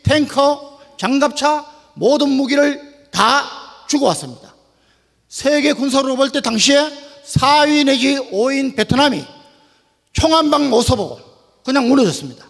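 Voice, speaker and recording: An older man giving a rousing, booming political speech to an audience, emphatic and drawing out his phrases. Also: lively intonation, unhurried, long pauses. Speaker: public speaker, retired general. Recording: long hall reverb.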